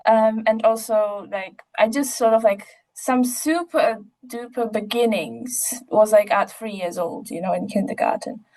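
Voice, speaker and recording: High-voiced young woman chatting. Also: a little slow, hardly any pauses, warm tone, rough recording. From Poland. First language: Polish. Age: young adult. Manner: chatty, informal, frequent asides. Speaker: interview guest, biochemistry student. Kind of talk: casual conversational interview answers.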